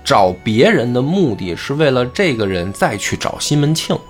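A man's voice: medium pitch, normal speed, faint music behind. A man hosting a casual talk show, explaining a classic novel and acting out the quoted characters. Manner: animated, acts out quoted characters. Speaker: host.

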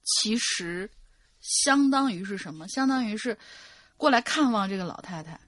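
A woman's voice: medium pitch, lively intonation, moderate pace, fairly bright tone, dry recording. A woman co-host in casual chat, hesitantly thinking aloud as she guesses.

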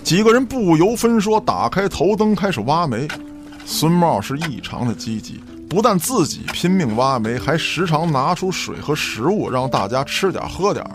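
A man's voice: a little high, big pitch swings, moderate pace. A man narrating a scripted audio drama as a storyteller, in a dramatic reading style. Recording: background music under the voice.

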